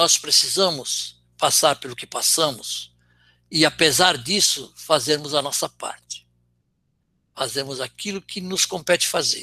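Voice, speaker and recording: A man's fairly high voice with a bright, sharp tone and ordinary pitch variation, at a fairly slow pace, in a very clean recording with a silent background. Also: dry, close sound with no echo. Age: 70s. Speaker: spiritist study group leader. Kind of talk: lecture. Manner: halting.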